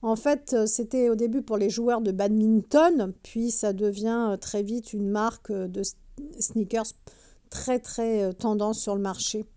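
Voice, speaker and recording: A woman's voice: a little high, fairly even intonation, measured pace, mellow, clean tone. A woman giving casual shopping vlog commentary in a discount store, chatty and full of fillers, with a slightly sore throat from wearing a mask. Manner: chatty, fills with "euh" and "hein", reads prices aloud. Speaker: vlogger showing a discount store shoe display. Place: inside a large discount store.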